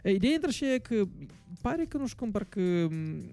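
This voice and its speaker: Man, gravelly dark voice, rambling tech podcast co-host. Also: very high-pitched, sing-song, faint music behind. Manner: rambling, mixes English words, many fillers. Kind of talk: casual tech podcast chat.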